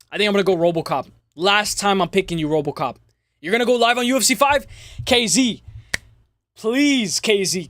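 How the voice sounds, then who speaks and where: A man hosting a casual live fight-preview stream, with a slightly raspy voice, slangy and chummy, repeating phrases and addressing viewers directly. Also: high-pitched, a bit bright, no room sound. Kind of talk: casual livestream chat and fight commentary.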